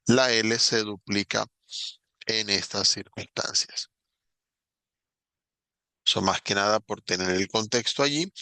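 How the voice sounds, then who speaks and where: A man, an English teacher explaining grammar patiently in a recorded online lesson and slowing down to spell out examples. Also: fairly low pitch, bright, forceful tone, no room sound.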